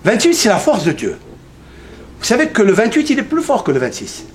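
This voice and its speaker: A rabbi teaches a lively Torah class to a synagogue congregation in a high voice with huge pitch swings, talking a little fast. He fires questions at his listeners, answers them himself, and emphatically repeats key numbers. There's a little hiss or hum on the recording.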